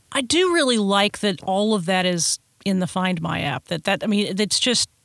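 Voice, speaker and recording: Recorded very cleanly with a silent background and a dry, close sound with no echo, a woman speaks in an unremarkable speaking voice with ordinary pitch variation. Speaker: podcast host. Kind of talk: casual chat.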